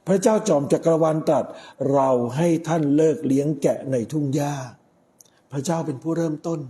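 A middle-aged man, a Catholic priest, preaching a sermon in a measured way with frequent pauses. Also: a little high, steady tone, warm tone.

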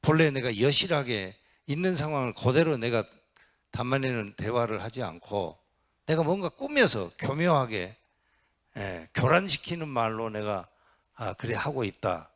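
A middle-aged man, a Buddhist monk, giving an interactive dharma talk in a Buddhist hall. He quizzes and coaxes his listeners and acts out the shouts he describes. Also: medium pitch, sing-song, normal speed. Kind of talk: interactive sermon.

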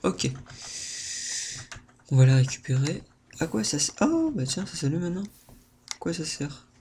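A man narrates his own gameplay in a playful, theatrical way, often repeating words and yelping into high outbursts. He talks at an unhurried pace between the bursts. Faint keyboard typing sits behind his voice. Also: darkish tone, a little hiss or hum. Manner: playful theatrical exclaiming, addresses viewers. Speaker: gaming video host. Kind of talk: let's-play gameplay commentary.

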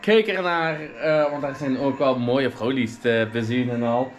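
A man in his thirties with a Flemish accent, chatting casually to his vlog camera in halting phrases. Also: medium pitch, a little hiss or hum. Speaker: vlogger. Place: indoors at home, rooms and bathroom. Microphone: camera at arm's length or a few steps.

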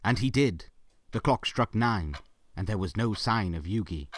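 A man's voice: fairly low pitch, animated, moderate pace, a little hiss or hum, close to an everyday voice. A man narrating a Christmas audio drama as a wry, theatrical storyteller.

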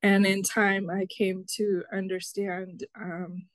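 A young woman answers a question slowly and with care, pausing often. Her voice is hoarse and wearing out. The sound is close and dry. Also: medium pitch, little pitch movement, no echo. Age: young adult. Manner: slow, thoughtful, hesitant. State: hoarse, coughing. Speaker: panelist, lay Zen teacher. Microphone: video call.

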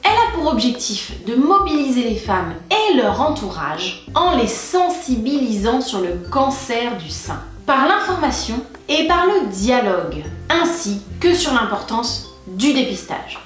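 A woman's voice: fairly high pitch, sing-song, a little slow. A young woman hosting a breastfeeding channel, explaining a topic in an informative vlog with playful asides. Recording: echoey room with faint music.

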